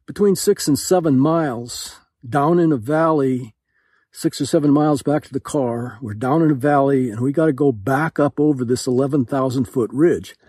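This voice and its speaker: An older man telling a rambling travel story in a casual vlog, with many pauses and fillers, sometimes out of breath as he hikes uphill outdoors. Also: medium pitch, dark tone, husky, dry recording, clean studio sound. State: out of breath while hiking uphill. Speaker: travel vlogger. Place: outdoors on a desert hillside.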